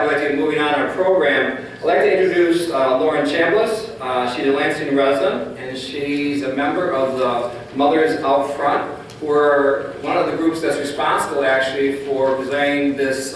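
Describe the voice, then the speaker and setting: A man moderating a public meeting, introducing the next speaker in a halting way with many fillers. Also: mid-range voice, a little hiss or hum. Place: community meeting hall. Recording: echoey room from far off.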